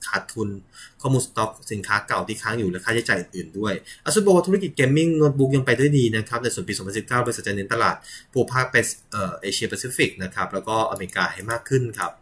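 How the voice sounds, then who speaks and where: Male tech news host, a little low, casual and chatty, reads items and replies to comments. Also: lively intonation, a bit bright. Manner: reads news items with filler particles and quick laughs.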